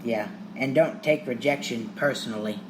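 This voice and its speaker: A man's voice: medium pitch, normal speed, background noise. A man from Louisiana with a strong Southern accent, hosting an interview in a friendly way and often agreeing. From Louisiana, United States. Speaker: podcast host. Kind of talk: podcast interview.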